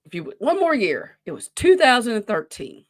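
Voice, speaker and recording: In her forties, this woman co-hosts a casual podcast chat and runs a wrestling quiz. Her voice sits a little high and swings widely in pitch at a moderate pace. She talks in a loose, unscripted, conversational way, rambling and often drifting off her point.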